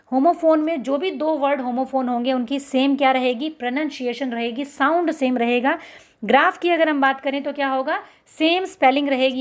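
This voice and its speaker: A woman with an Indian accent giving an exam-prep lecture, mixing Hindi with English terms and answering her own questions. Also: sits high. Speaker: teacher.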